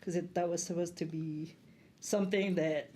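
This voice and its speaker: Filipina guest, kinda low voice, lots of ums and false starts. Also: female voice, steady tone, normal speed, mellow, slight background noise. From Philippines. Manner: hesitant, many ums and restarts. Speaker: guest, leadership coach. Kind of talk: interview answers.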